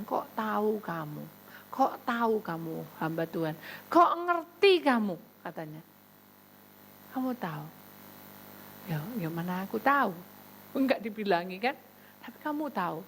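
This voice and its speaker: A woman pastor preaching a sermon, telling a story with sudden high exclamations and quoted voices. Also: a little hiss or hum, poor audio.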